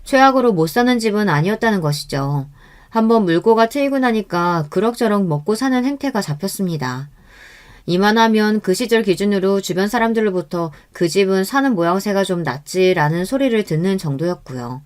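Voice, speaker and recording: A woman narrating a first-person life story in a calm, even scripted telling. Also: mid-range voice, a little fast.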